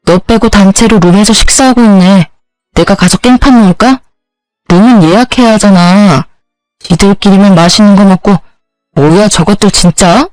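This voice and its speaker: A woman's voice: medium pitch, normal speed, darkish tone, no room sound, natural voice. A woman voicing a furious, foul-mouthed young woman friend in a story narration, with faint music behind. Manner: fuming, crude outbursts.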